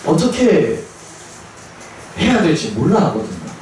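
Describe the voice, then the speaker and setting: Animated monk preaching in an echoey hall. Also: male voice, on the high side, a little slow, far from the mic, slight background noise. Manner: animated storyteller acting out quoted voices. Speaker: Buddhist military chaplain monk. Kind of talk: storytelling dharma talk.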